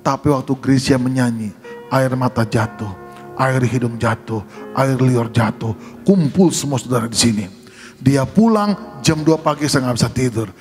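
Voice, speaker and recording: A man's voice: mid-range voice, normal speed, faint music behind. A man preaching and telling a funny story, playing out the dialogue of the people in it. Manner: lively, jokes and acts out dialogue. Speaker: preacher giving a testimony. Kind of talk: humorous sermon storytelling.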